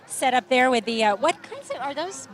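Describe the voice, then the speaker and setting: A woman's voice: sits high, animated, normal speed, crowd noise. A woman giving chatty, enthusiastic live commentary on a street parade outdoors, sometimes losing her place.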